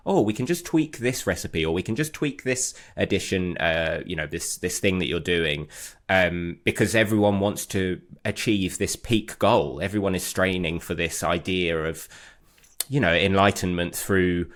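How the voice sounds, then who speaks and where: A man's voice: sits low, normal speed. A man on a news podcast panel, talking in a rambling way and stumbling over his words. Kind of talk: casual chat.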